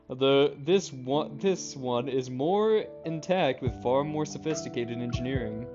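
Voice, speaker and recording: A man streaming a game, reading its text aloud and adding excitable, jokey commentary. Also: mid-range voice. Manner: jokey, excitable, quick asides. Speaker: gaming streamer. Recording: muffled, game music behind.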